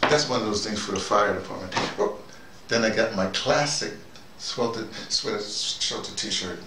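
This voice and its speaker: A middle-aged American man with a low voice hosts a casual video dispatch, heard in an echoey room some way from the mic with clear background noise. He rambles in a halting way, repeating words and wandering off on digressions. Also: recorded from a distance. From North America. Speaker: host of a personal video dispatch. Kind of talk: rambling casual monologue to camera.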